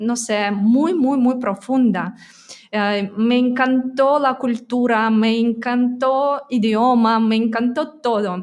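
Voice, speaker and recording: A woman speaks very slowly in a Russian accent, high in pitch. Her intonation is fairly even and her loudness very even. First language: Russian (speaking Spanish). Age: 30s. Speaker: marketing consultant and entrepreneur. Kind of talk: interview.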